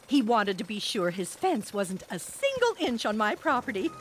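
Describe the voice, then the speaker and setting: A sweet little old lady for a cartoon, with a put-on elderly voice that sits high and swings up and down. She is genteel, polite and cheerfully scatterbrained. There is faint noise behind her. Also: huge pitch swings, moderate pace. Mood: cheerfully admiring. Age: older. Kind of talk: cartoon voice acting.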